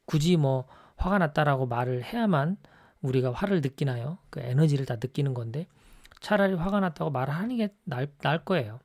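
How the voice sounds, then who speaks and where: A man giving an explanatory lecture on personality types in a conversational way, often checking in with the listener with a quick rising tag. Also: animated. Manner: acts out scolding examples in a louder, higher voice.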